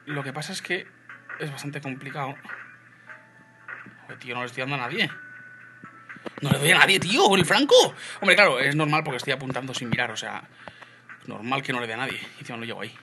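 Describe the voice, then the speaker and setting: A young man from Spain with a Spanish accent, giving casual gameplay commentary, swinging between loud outbursts and low muttering. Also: quick pace, long pauses, music in the background. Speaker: gaming youtuber.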